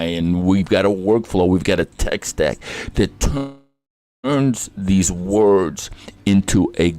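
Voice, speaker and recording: A man hosting a casual livestream, jokey and quick to laugh at his own lines. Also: low voice, a little mellow. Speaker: livestream host.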